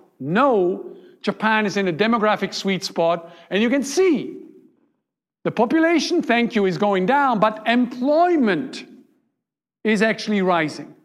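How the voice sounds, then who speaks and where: Spoken with a German accent, the voice moves at a moderate pace with lively intonation. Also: man. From Germany. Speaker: economist. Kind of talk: presentation. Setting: stage with audience.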